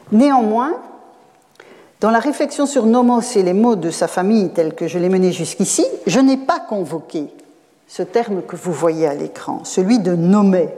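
A woman's voice: on the low side, dark tone, big-room sound. A woman professor giving an academic lecture, explaining at length with fillers and self-corrections. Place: lecture hall.

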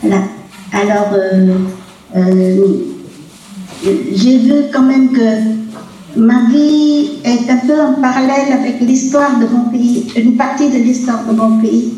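A woman in her eighties from Vietnam, giving a halting personal testimony at a colloquium. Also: fairly high pitch, fairly even intonation, dark tone. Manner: halting, with many hesitations and repeated words. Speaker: conference speaker. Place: lecture hall. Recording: roomy lecture hall, distant mic.

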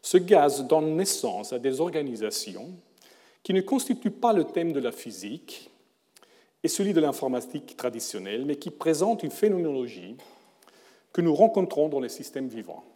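A middle-aged man who is not a native speaker of the language, giving a formal prepared lecture with a careful, measured delivery and occasional self-corrections. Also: on the high side, sing-song, mellow. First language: not French. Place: lecture hall. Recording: long reverb of a lecture hall.

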